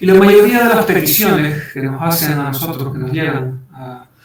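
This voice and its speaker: A man's voice is heard with noticeable background noise around it. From Canary Islands, Tenerife. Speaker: forensic psychologist. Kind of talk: lecture. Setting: online webinar. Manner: hesitant, many fillers.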